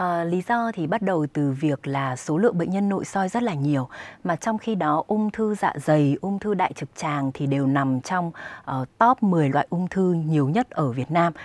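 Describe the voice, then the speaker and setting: With a normal speaking voice, a woman speaks fairly low in pitch at a moderate pace, her intonation lively and her delivery hardly pausing, all in a dry sound with no echo. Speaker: physician and researcher; TV guest. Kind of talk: TV interview. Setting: TV studio. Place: studio. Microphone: lapel.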